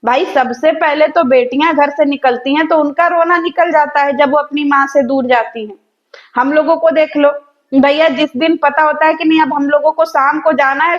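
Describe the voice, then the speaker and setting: A woman's voice: sits high, highs cut off. A young woman, hosting a reaction video and mockingly roasting in sarcastic rambling rants.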